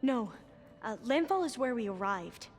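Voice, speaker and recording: A woman's voice: on the high side, sing-song, moderate pace. A woman playing an earnest, reverent young tribal scholar in a video game, with formal and hesitant phrasing. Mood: earnest, guarded. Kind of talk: dramatic video game acting. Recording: loud game music behind.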